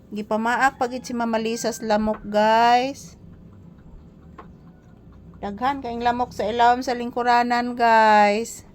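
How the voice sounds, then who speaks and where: A woman's voice: fairly high pitch, a little mellow, a little hiss or hum. A woman chatting casually to her viewers in a vlog, calling them "guys" again and again. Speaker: vlogger with a pet puppy. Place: hanging out at a small store.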